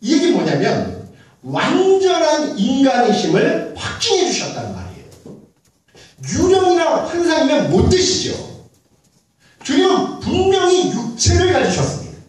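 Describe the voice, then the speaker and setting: A man's voice: extremely high pitch, wildly swooping pitch, measured pace. A male pastor preaching a sermon in a church sanctuary, talking to the congregation conversationally and asking them questions. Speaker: senior pastor. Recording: very echoey church, mic far off.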